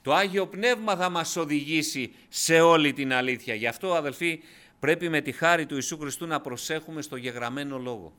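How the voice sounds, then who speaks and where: A man preaching a sermon with fervent delivery, swinging from loud emphasis to hushed asides and often addressing the congregation as brothers. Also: on the high side, clear, resonant tone. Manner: keeps addressing listeners as brothers.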